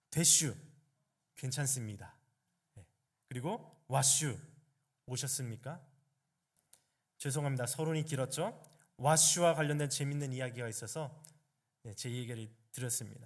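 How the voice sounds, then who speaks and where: A somewhat breathy man with a fairly high pitch talks at a moderate pace, with long, frequent pauses, big swings in loudness and audible room echo. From Chungcheong Province, Korea. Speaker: pastor. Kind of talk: sermon. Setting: church.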